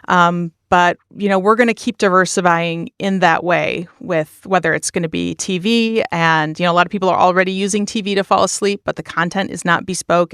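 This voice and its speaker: A woman's voice: lowish voice, a bit bright, clear, resonant tone, no echo, studio quality. A woman podcast creator answering interview questions in a conversational, plain-spoken, explanatory way. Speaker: podcast creator being interviewed, meditation teacher.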